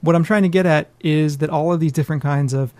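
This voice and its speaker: A man's voice: on the high side, quick pace, darkish tone, no echo. A man co-hosting a podcast, talking casually and emphatically about his opinions. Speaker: podcast co-host.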